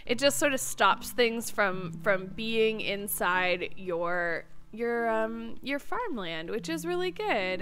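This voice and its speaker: A woman's voice: high voice, pushed and bright. A woman hosting a gameplay video, chatting casually and expressively as she talks herself through what she is doing. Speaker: host of a gameplay video series. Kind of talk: casual video game commentary.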